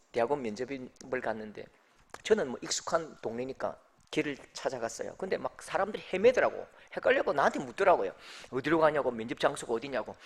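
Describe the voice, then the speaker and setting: A middle-aged male pastor, preaching a sermon in an animated storytelling way that swings between hushed asides and emphatic outbursts. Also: a little high, husky.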